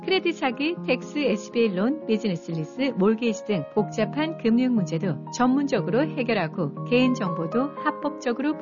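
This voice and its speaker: A woman reading radio commercials in a smooth, persuasive way. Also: high voice. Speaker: ad announcer. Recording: lo-fi radio ad over music.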